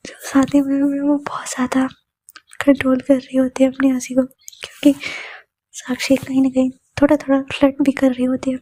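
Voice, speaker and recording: A woman narrating a romance story in a soft, half-whispered way. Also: sits high, monotone, moderate pace, rough recording.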